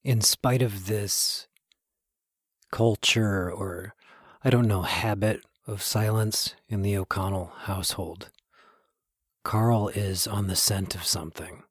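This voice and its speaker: A man performing as a wry, measured storyteller, giving literary narration of small-town lives in an audio drama podcast. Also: on the low side, fairly even intonation, breathy edge, studio quality. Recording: roomy, faint music behind.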